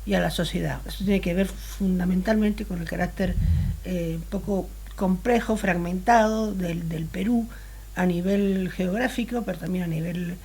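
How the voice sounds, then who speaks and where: Husky, thoughtful older woman guest. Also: fairly low pitch, darkish tone, poor audio. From Spain. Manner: thoughtful, searches for words with many pauses. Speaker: interview guest. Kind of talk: relaxed conversational interview.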